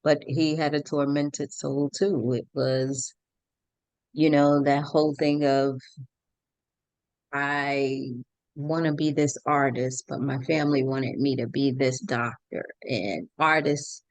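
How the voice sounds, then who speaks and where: A woman's voice: a bass voice, fairly even intonation, takes it slowly, no echo. An American woman hosting a conversational, motivational podcast, emphatic and fond of repeating phrases. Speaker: podcast host. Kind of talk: conversational interview, motivational talk.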